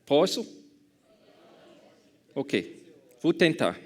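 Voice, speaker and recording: A man from Scotland giving an academic lecture in a second language with a Scottish English accent, careful and halting, correcting himself as he goes, with dry humor. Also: on the high side, sing-song, darkish tone. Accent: Scottish English speaker speaking Portuguese.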